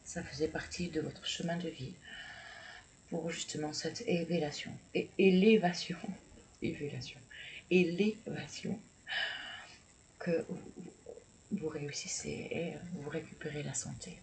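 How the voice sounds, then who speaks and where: A man reading tarot and oracle cards for viewers, talking slowly and hesitantly with many fillers, and encouraging and congratulating the listener. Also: on the high side, flat delivery, rough recording. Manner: slow, hesitant, with many fillers and repeated words. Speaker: tarot and oracle card reader. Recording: clear background noise.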